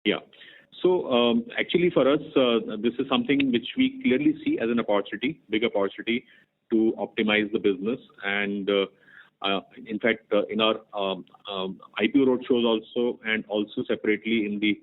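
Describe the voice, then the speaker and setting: A man's voice: lowish voice, a little fast. A man, a company executive, answering an analyst on an earnings call with many fillers and restarts. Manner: rambling with many fillers, checks he understood. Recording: phone-line audio.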